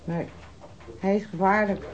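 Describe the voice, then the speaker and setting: A woman's voice: medium pitch, steady tone, measured pace, close to an everyday voice. Actress as a brash, defiant woman informant, muffled recording. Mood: warning, uneasy. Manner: sneering, brash, coarse-mouthed. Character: defiant, streetwise woman informant questioned by police. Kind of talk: radio drama acting. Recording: muffled, noisy old radio drama recording.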